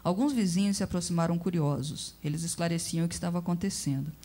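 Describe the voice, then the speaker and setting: A woman reading a story aloud with expressive, measured narration. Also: fairly low pitch, faint music behind.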